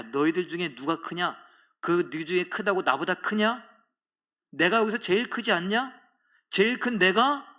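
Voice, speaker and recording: A man playing Jesus as an earnest teacher, pressing his disciples with pointed rhetorical questions. The voice is pitched up and pushed louder than his usual talk, bright and forceful. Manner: raised, emphatic rhetorical questions.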